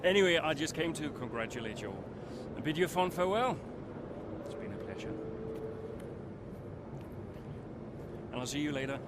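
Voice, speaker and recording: An actor playing a proud, weary veteran racing driver in a video game, speaking in a dry, measured way. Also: male voice, fairly high pitch, very animated, very noisy. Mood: relaxed. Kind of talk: cinematic video game acting.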